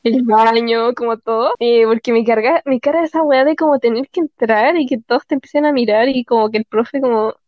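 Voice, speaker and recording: A woman's voice: a little high, a little fast, few pauses, dry recording, lo-fi sound. A young woman from Chile with a Chilean Spanish accent, co-hosting a podcast in casual chat. She rambles and fills her speech with filler words. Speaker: podcast co-host.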